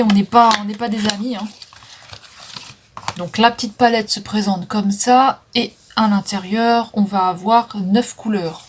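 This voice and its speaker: Woman, casual vlog chat, filler-heavy, phone mic, faint background noise. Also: medium pitch. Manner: chatty, filler-heavy, stumbles on English names. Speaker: vlogger selling makeup. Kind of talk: casual makeup declutter vlog.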